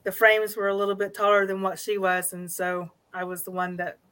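A woman talking through her paranormal investigation experiences at a medium pitch. She hesitates often, filling gaps with "um" as she goes. Her voice comes over a remote call. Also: completely flat delivery, brisk, a bit bright. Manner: hesitant, many fillers. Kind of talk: casual podcast conversation.

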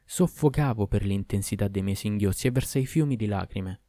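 A man reading a classic tale aloud in a measured, expressive way. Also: fairly low pitch, no echo, clean studio sound. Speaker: narrator.

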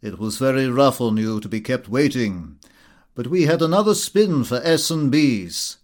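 Man doing a drawling, nonchalant gentleman. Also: mid-range voice, expressive, normal speed, natural voice. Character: languid, self-satisfied Victorian gentleman drinker.

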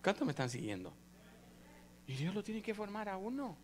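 A man preaching a sermon as pastor, animated, going from soft asides to loud exclamations and asking the congregation for amens. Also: high-pitched, moderate pace, a little hiss or hum.

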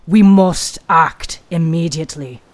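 A woman's voice: sits low, a little slow, a little mellow. A woman voicing a stern male tribal king in a fantasy story, terse and commanding.

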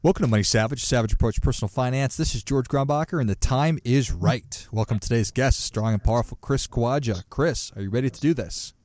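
Mellow, low-key male podcast host. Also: fast talker, hardly any pauses, dry recording, studio quality. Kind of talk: podcast interview hosting.

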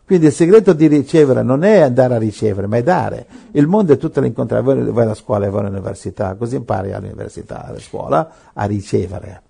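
Middle-aged male pastor, gravelly, dark mellow tone, joking radio preacher. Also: medium pitch, quick pace, few pauses. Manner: animated, joking, with rhetorical questions.

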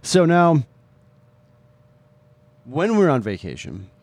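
A man's voice: fairly high pitch, very animated, slow, darkish tone, dry recording. A middle-aged man with a Midwestern US accent, co-hosting a casual chat in a chatty, teasing, rambling way. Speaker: podcast co-host, parent.

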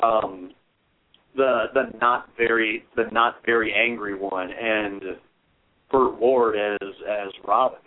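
Casting: male podcast co-host, rambling and halting, on a tinny phone line. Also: fairly low pitch, steady tone. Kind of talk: podcast discussion.

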